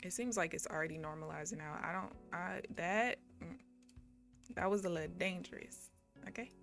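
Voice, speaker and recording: A young woman from Missouri day trades live, chatting casually with her viewers and laughing often. Her voice is lowish, gravelly and fairly bright, at a normal speed, with soft music playing in the background.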